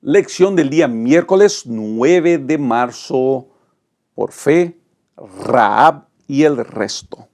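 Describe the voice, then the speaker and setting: A man's voice: medium pitch, expressive, drawn-out words, creaky, darkish tone. A middle-aged male pastor, teaching a Bible study lesson with dramatic, emphatic delivery and rhetorical lists.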